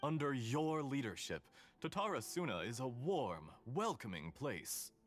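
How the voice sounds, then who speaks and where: An actor playing a courteous adult man, a foreign technician and consultant in a video game, speaking formally with measured politeness. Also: medium pitch, very animated, faint music behind. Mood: gracious, reflective. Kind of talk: video game character dialogue.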